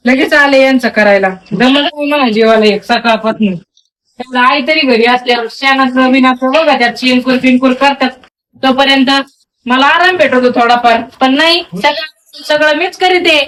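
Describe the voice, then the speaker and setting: A young woman with a high voice and a rural Marathi accent keeps up a grumbling running monologue while she works around a farmyard, muttering to herself and telling off the animals. Her voice is recorded close and dry, with almost no room sound. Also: moderate pace, fairly bright tone, no room sound, poor audio. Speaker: farm housewife vlogger. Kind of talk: casual monologue during chores. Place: rural farmyard outdoors with goats.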